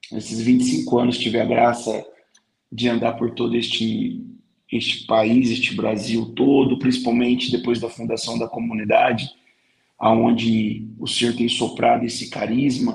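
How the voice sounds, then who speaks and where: Here a man speaks at a medium pitch with vocal fry. His delivery is fairly slow, with monotone, flat intonation. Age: 40s. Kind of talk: interview about faith and community life.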